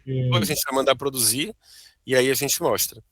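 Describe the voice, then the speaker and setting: A man's voice: mid-range voice, steady tone, moderate pace, a bit bright, no echo. A Brazilian man, a board game designer, explaining his prototype over a video call, checking in with "né?" and "tá bom?". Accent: Brazilian Portuguese. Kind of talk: casual interview chat.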